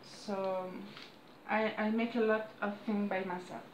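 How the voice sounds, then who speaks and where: A woman in her thirties with a French accent, chatting to camera at home in halting English, losing her voice. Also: mid-range voice, fairly even intonation, echoey room, slight background noise, low-quality recording. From France. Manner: halting non-native English with frequent restarts and apologies. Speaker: crafts vlogger. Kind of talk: casual chat to camera. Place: small room indoors at home. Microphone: camera on a desk close by.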